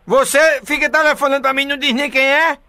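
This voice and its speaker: A man's voice: very high voice, fairly even intonation, fast talker, sharp tone, no room sound. A man hosting a radio prank call, teasing and mock-polite as he repeats his catchphrases. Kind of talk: prank phone call banter.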